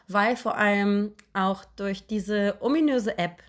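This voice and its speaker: A young woman in her late twenties chats casually as a podcast co-host, sitting in an apartment living room. She rambles through her story with plenty of fillers and a giggly, relaxed manner. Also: medium pitch, slow. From Germany. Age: 20s. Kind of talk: casual chat.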